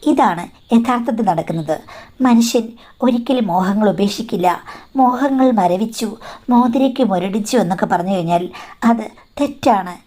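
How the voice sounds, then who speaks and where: A woman's voice: mid-range voice, moderate pace, dark tone. A woman narrating a first-person story in an earnest, confiding way.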